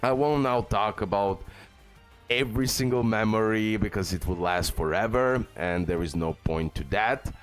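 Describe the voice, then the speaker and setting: Male gaming video host, low voice, casual and informal guide-style commentary, music underneath. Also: normal speed. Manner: informal, often says bro and okay.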